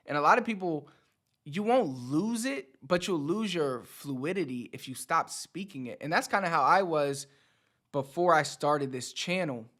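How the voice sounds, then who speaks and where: A man's voice: a little high, expressive, normal speed, fairly bright tone. A man in his thirties talking casually and motivationally to his audience as a teacher, conversational, repeating words for emphasis. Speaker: Spanish teacher and channel host. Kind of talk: casual motivational talk to camera.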